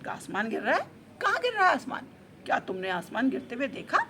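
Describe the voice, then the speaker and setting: A woman voicing a commanding, skeptical male lion king who questions loudly. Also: huge pitch swings, fairly quick. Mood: demanding. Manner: loud booming questions. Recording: noisy background.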